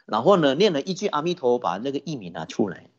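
Buddhist teacher preaching, husky voice that swings up and down a lot, telling a story and asking the crowd questions. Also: medium pitch, fast. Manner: animated storytelling with rhetorical questions. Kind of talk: sermon. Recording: dull lo-fi recording.

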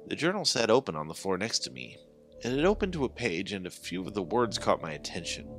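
A man reading a first-person horror story as a scripted, dramatic narration in an expressive, deliberate way. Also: fairly low pitch. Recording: background music under the voice. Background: music.

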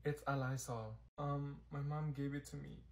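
A man's voice: medium pitch, steady tone, normal speed, pitched below the performer's own voice, close to an everyday voice. A man playing a shy, mumbling new schoolgirl. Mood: hushed. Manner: hushed, mumbling. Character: shy quiet new schoolgirl, odd and soft-spoken.

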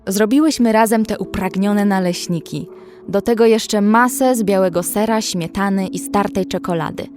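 A young woman survivor voiced by an actress tells her story in a mid-pitched voice. She is measured, tender and a little anxious, over a music bed, as in a horror audio drama. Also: a little mellow, close to an everyday voice. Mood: calm, reflective. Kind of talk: first-person horror audio drama narration.

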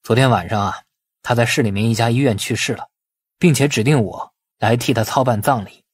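A man acting a patient, husky young son. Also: medium pitch, a little fast, dry recording, natural voice. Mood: patient explaining. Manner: explanatory, conversational. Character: patient young man reasoning with his mother.

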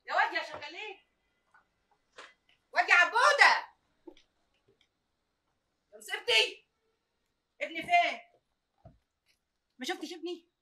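A woman with an Egyptian Arabic accent speaks in a very high, animated, sharp voice, acting heavily. She plays a proud, devoted working mother in an Egyptian TV drama who toils to raise her son, talking in a homely, emphatic way and quick to plead.

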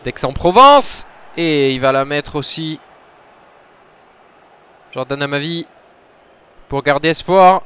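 A man commentating his own football video game match, muttering between plays and shouting when goals go in. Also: fairly high pitch, takes it slowly, pauses often, smooth. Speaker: gaming commentator.

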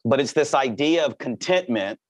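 A man's voice: mid-range voice, lively intonation, no echo. A man who hosts a podcast and was once a pastor speaks conversationally over a video call from a home office, often chiming in with short affirmations. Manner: conversational, quick affirming interjections. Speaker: podcast host, former pastor. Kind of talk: interview conversation.

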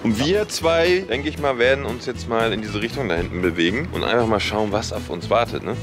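Young man, chatty vlogger, outdoor street sound, loud music underneath. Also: medium pitch, expressive, a little fast. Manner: chatty, tags sentences with "ne?". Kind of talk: casual travel vlog chat. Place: outdoors on a seaside promenade and city streets.

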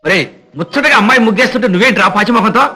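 Brief: a commanding older father, bright, rapid delivery, film music behind. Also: high voice, breathy edge, heavily acted. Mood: stern. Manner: scolding, commanding. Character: stern, fond older father of the family. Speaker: father of the household. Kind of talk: 1980s Telugu film acting.

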